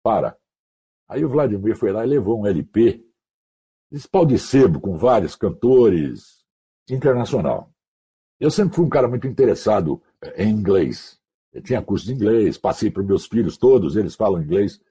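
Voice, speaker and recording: Husky deep-toned man telling radio stories. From Mato Grosso do Sul, Brazil. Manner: animated anecdotes, acting out quoted voices, slangy. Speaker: guest, radio announcer. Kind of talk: casual storytelling. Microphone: online call.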